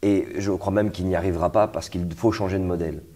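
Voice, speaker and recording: A man's voice: low voice, fairly even intonation, fast, mellow. A young man hosting an interview, talking casually with fillers and restarts. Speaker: host.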